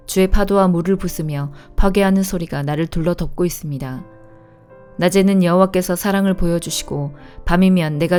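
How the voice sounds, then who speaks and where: A woman reading the Bible aloud in a steady, calm, measured way. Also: fairly low pitch. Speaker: Bible reader. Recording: soft instrumental music behind.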